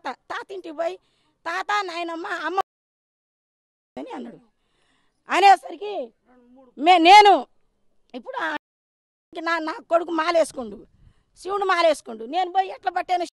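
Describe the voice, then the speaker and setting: High-pitched Telangana woman, agitated telling. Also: no room sound. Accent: Telangana Telugu. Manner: agitated, repetitive storytelling, acts out quoted speech. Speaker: villager recounting an incident. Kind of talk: emotional eyewitness account.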